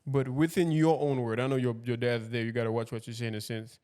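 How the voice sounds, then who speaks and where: A man's voice: mid-range voice, little pitch movement, fast talker, warm tone. Man hosting a casual podcast. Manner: rambling questions with restarts, informal. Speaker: podcast host.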